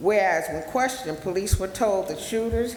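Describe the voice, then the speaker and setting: In an American accent, a woman speaks at a moderate pace with ordinary pitch variation, amid noticeable background noise and audible room echo. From New Jersey, Paterson. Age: 60s. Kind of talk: reading aloud. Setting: city council meeting. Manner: halting.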